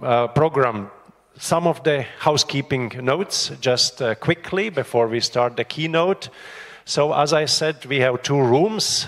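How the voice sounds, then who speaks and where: Host in a reverberant hall. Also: male voice, mid-range voice, fairly bright tone. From Latvia. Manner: hesitant, many fillers, light humor. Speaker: conference host. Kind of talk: housekeeping announcements and introduction. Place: conference room.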